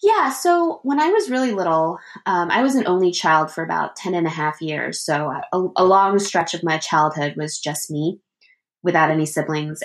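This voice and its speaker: A woman with a fairly low pitch speaks at a moderate pace in a normal speaking voice against a quiet background. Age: 30s. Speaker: author. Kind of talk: casual interview chat.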